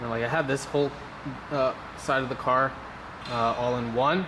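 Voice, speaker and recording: There is noticeable noise in the background. Over it, a man's voice comes through. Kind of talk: casual explanation to a vlogger. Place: garage. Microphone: phone near.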